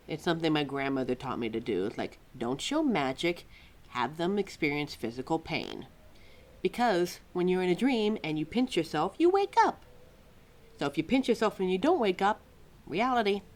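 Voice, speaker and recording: A woman playing a quirky, exasperated, motherly keeper of forgotten lore in an ad-libbed audio roleplay, chatty and wry with halting, musing asides. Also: fairly low pitch. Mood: matter-of-fact, proud. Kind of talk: ad-libbed ASMR-style roleplay, talking to a listener.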